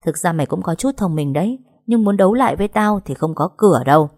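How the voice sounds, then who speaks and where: A woman's voice: on the low side, lively intonation, fast talker, darkish tone, dry recording, studio quality. A woman voicing a cruel, scheming female villain who sneers and hisses threats. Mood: sneering.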